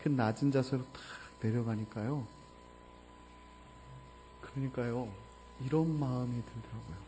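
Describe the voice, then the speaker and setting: A man in his forties, a pastor preaching a heartfelt sermon, telling a personal story in a mostly quiet, low voice that swells to loud fervor. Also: fairly even intonation, a little slow, slight background noise. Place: church sanctuary.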